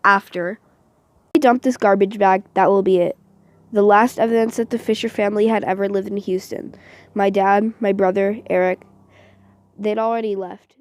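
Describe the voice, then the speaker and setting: A woman giving a deliberate, expressive dramatic reading of first-person novel narration, as for a voice audition. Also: medium pitch, no room sound.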